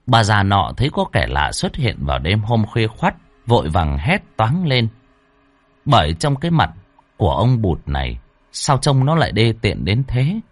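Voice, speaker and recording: A man narrating a horror story with lively, dramatic delivery. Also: on the low side, normal speed, dry recording.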